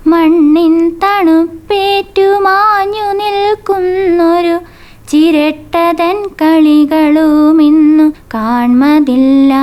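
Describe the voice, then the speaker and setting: A woman's voice: high voice, a little mellow. A woman reciting a poem in a melodic, chanted style, drawing out the words. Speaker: poetry reciter.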